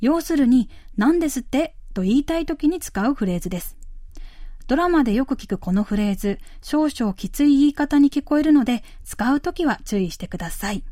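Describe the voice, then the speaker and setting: A woman hosting a language course, explaining phrases clearly and slowly in scripted narration. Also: high voice, animated, dark tone, no room sound, studio quality. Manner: clear, careful explanation with slow model phrases.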